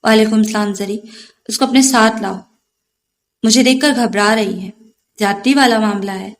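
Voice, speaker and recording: A woman voicing a calm, caring young man who coaches a team and acts as an older brother, speaking gently. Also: mid-range voice, lightly acted.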